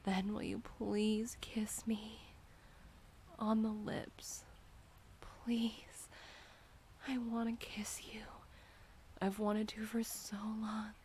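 Young woman whispering real slow and breathy, kinda flat tone, intimate roleplay vibe. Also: medium pitch, a little hiss or hum.

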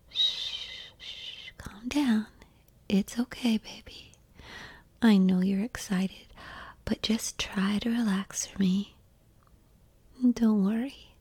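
Slow breathy whispering woman. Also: medium pitch, no echo. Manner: soft, slow, coaxing and reassuring. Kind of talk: whispered ASMR roleplay.

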